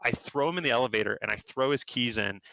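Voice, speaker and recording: Gravelly, bright-toned man telling stories. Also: fast talker, no room sound, rough recording. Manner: animated, acts out quotes in a higher voice. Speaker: game developer guest. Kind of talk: casual storytelling interview.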